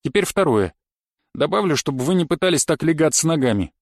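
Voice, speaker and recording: A man's voice: fairly high pitch, lively intonation, a little fast, no echo, clean studio sound. A man voicing a pedantic male knife-fighting coach who lectures dryly and thoroughly in an audiobook. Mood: lecturing. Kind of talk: audiobook character reading.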